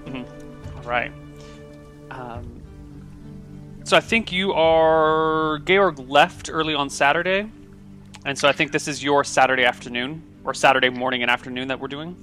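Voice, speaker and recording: An American man running a livestreamed tabletop game as game master, relaxed and chatty, thinking aloud with plenty of ums. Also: a little high, moderate pace, long pauses, soft background music. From United States.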